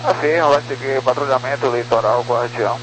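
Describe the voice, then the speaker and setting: A man's voice: medium pitch, fairly even intonation, normal speed, low-quality recording. A man talking as a pilot over a cockpit headset radio, giving terse, routine readbacks in clipped radio phraseology. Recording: radio transmission with loud noise and hum.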